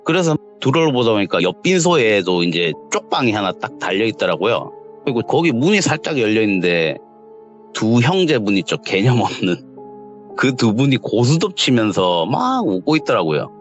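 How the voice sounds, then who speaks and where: A young man, casually telling a true ghost story in a quietly dramatic, conversational way. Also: lowish voice, big pitch swings, normal speed. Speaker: guest storyteller. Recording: lo-fi audio with faint music.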